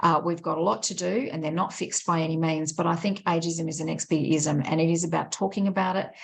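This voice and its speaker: With an Australian accent, a woman speaks very fast in a very deep, low pitch with vocal fry and fairly even intonation. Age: 50s. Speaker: aged care advocacy leader. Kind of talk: panel interview.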